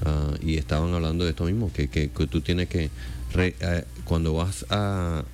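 Very deep-voiced man, hesitant. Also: little pitch movement, moderate pace, a little mellow, faint music behind. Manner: hesitant, repeating words while he gathers his thoughts. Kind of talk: casual faith talk.

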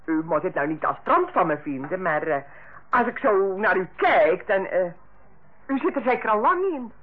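An actress playing a chatty, good-natured, blundering household help in a folksy manner, in old radio play style. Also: female voice, medium pitch, sing-song, normal speed. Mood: nosy, chatty. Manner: folksy, garrulous, hesitant when embarrassed. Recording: tinny, noisy old radio recording.

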